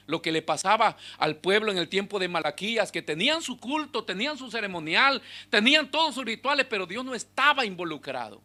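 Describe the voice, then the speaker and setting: A man preaching a sermon as pastor, swinging between loud exhortation and hushed asides to the congregation. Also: extremely high pitch. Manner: speaks directly to the congregation with rhetorical questions.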